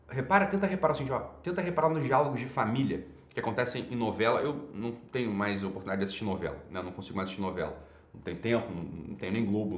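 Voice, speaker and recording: A man's voice: on the low side, fairly bright tone, roomy sound. A man with a Brazilian Portuguese accent hosting a livestream talk, answering chat and hammering points home by repeating words. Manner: emphatic, repeats key words. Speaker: online talk host.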